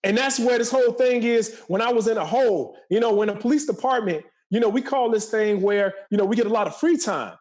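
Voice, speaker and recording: High-pitched motivational man in his forties. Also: a little fast, hardly any pauses, darkish tone. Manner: emphatic, preacherly, repeating phrases for effect. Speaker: podcast guest, motivational speaker and entrepreneur. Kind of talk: motivational talk.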